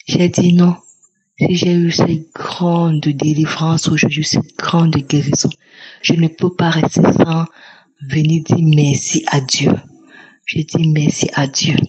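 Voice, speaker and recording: A woman's voice: sits low, level tone, takes it slowly, darkish tone, husky, dull audio. A young woman, giving an earnest, repetitive, grateful testimony. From Cameroon. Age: young adult. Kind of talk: spoken testimony.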